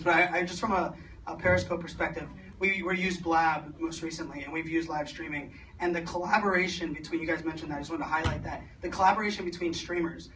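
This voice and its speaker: A man in the audience, hoarse and losing his voice, speaking enthusiastically. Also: on the high side, pushed and bright. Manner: enthusiastic, fast. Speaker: audience member asking a question. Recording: distant with faint noise.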